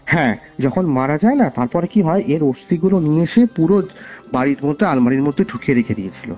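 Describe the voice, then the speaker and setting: Earnest higher-pitched man with West Bengal accent. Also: lively intonation, quick pace, a little mellow. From West Bengal, India. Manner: earnest, repeats phrases for emphasis. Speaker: caller sharing a personal ghost story. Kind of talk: conversational storytelling. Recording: dull lo-fi call recording over music. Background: music.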